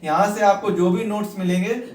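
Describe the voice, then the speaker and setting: High-pitched man, echoey and distant. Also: fairly even intonation, fairly quick. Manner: repetitive, asks questions and answers them himself. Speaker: exam-preparation coach and video host. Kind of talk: informal explanatory exam update. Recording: echoey room, distant from mic.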